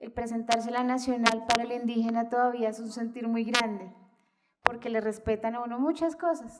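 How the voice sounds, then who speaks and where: A woman with a fairly high pitch talks at a fairly quick pace, with big swings in loudness. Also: fairly even intonation. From Colombian Amazon, La Chorrera. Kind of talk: panel commentary at a lecture. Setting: lecture hall with audience. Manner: hesitant, with fillers.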